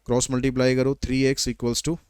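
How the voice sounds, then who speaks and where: A male maths teacher walks his viewers through word problems one step at a time, chatty and a little teasing. His voice is smooth and crisp, at a middle pitch. It is recorded close up on a dry mic. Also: little pitch movement, a little fast, darkish tone, no echo. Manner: explains step by step, code-switching English questions into explanation. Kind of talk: online maths lesson.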